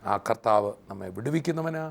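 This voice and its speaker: A man who hosts a Christian TV program leads a fervent prayer for healing, his declarations rising loud and emphatic, then gives a closing message. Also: medium pitch, animated, a little fast, vocal fry. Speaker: TV program host and preacher.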